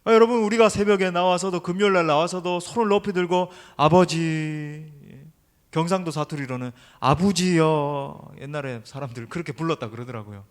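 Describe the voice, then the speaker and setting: A middle-aged man preaches with emphasis, turning again and again to address the congregation directly. His voice sits a little high for a man. The sound rings with the long reverb of a large church sanctuary. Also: fast talker, few pauses. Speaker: senior pastor. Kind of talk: sermon. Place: church sanctuary during an evening service.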